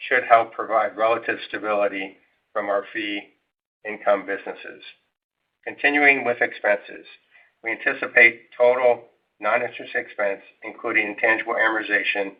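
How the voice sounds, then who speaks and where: A man whose voice sits fairly low speaks through a narrow, tinny phone connection, reading scripted remarks about finances. His presentation is formal and measured, much like an executive addressing investors on a call.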